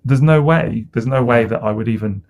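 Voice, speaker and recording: A man with a gravelly, creaky voice talks in a relaxed podcast chat. He rambles and hesitates, doubling back with fillers as he thinks aloud. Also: medium pitch, a little fast. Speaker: podcast co-host. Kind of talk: casual chat.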